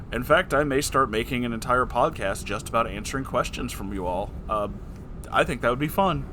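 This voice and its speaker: A man's voice: medium pitch, fairly bright tone, a little hiss or hum. A man hosting a casual, rambling advice chat for his audience, speaking in a playful, affectionate, self-deprecating way. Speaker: YouTube host answering listener questions. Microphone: off-camera voice recording at a desk.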